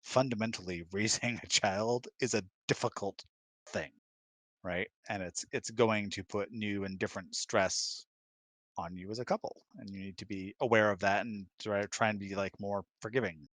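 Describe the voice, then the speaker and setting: A man talking casually in a question-and-answer chat, explaining things in a thoughtful, halting, emphatic way. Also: lowish voice, fairly even intonation, fairly bright tone, no room sound. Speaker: husband co-hosting a live Q&A. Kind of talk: casual conversational advice chat. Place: close-miked online voice chat, dry.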